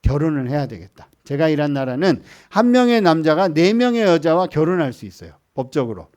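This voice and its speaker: Man preaching, hushed then emphatic. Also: fairly high pitch, very animated, fairly quick. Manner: swings between soft hushed storytelling and raised emphatic lines; leads the congregation in reading scripture aloud. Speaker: missionary preacher. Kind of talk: sermon with storytelling. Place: church service.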